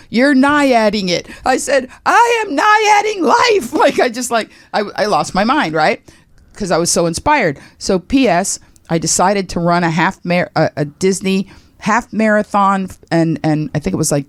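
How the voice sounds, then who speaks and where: A woman in her sixties tells a story with a lot of energy and often bursts out loudly when she quotes herself. Her voice sits in a middle register, recorded close and dry with no room sound. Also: no echo. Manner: exclaims loudly, acts out quotes with big pitch jumps. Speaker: guest, radio talk host. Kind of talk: animated personal storytelling.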